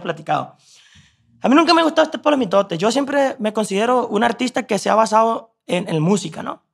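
A man speaks very fast with lively intonation in a Sinaloan accent. The background is quiet. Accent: Sinaloan Mexican Spanish. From Sinaloa, Mexico (rural). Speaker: regional Mexican singer; podcast guest. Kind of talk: casual interview storytelling. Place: home room. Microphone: studio mic.

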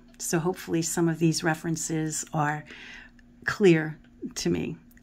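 Talking at a fairly slow pace, a woman with an American accent has a very deep, low pitch. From Philadelphia area, US. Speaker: tarot reader and YouTuber. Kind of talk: casual solo video run-through of a deck. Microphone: phone near.

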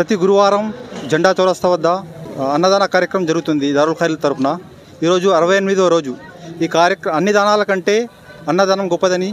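Fairly even intonation and very even loudness carry through a dry sound with no echo and light background noise. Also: man. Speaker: guest. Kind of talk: interview answer. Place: street. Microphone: handheld.

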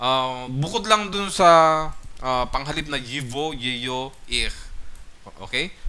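At a very slow pace, a man speaks with a bright, sharp tone, fairly high in pitch, with ordinary pitch variation. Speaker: Russian language teacher. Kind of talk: language lesson. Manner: halting, many fillers.

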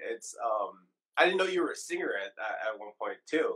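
The background is quiet while a man talks at a moderate pace. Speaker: podcast host and musician. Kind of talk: casual interview. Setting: video call. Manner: halting, repeats words. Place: home room. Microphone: video call.

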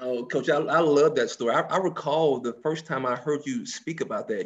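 Against a quiet background, a man speaks at a moderate pace. His fairly high voice has lively intonation. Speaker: former college football player, ministry director; interview host. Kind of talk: interview. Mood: warm and admiring. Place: home room. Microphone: video call.

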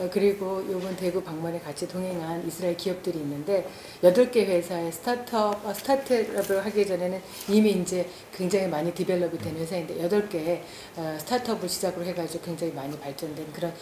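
A woman at a fairly quick pace, with ordinary pitch variation, light background noise and audible room echo. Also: fairly low pitch for a woman. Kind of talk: consecutive interpretation. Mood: polite formal. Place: meeting room. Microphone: camera far.

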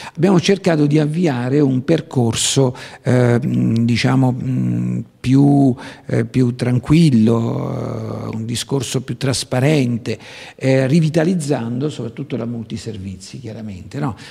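This voice moves at a very slow pace. Its pitch variation is ordinary. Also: man, medium pitch for a man. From not from Brindisi area. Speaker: government commissioner. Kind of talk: interview. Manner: halting. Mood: calm, reflective farewell. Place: office. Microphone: handheld.

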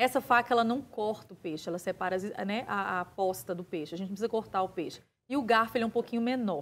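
In a Minas Gerais accent, a woman speaks at a very fast pace and a fairly high pitch. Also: ordinary pitch variation. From Brazil, Minas Gerais (Governador Valadares); Minas Gerais, Brazil. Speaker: table decor entrepreneur; guest. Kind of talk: TV interview, explaining tips. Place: studio.

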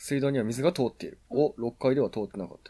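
A man with a Kansai accent, a medium pitch, a dark, mellow tone, lively intonation and a very fast pace. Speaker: game streamer. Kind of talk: casual let's-play commentary.

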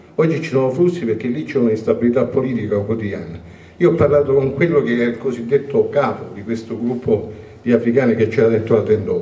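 In a room with audible echo, a man talks at a very fast pace with ordinary pitch variation. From Calabria, Italy. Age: 70s. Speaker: farmer and cooperative president; guest. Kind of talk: audience intervention at public event. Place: meeting room. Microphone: handheld.

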